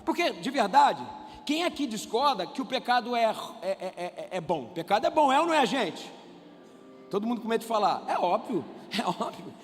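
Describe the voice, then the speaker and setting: A man with a Brazilian Portuguese accent preaching a sermon, animated and conversational, asking the congregation rhetorical questions. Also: high-pitched, normal speed. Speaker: pastor. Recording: reverberant church hall with faint music.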